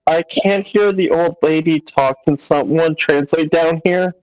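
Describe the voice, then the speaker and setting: A man's voice: on the high side, measured pace, darkish tone, dry recording, faint music behind, poor audio. A man casually describing his actions as a player in a tabletop game.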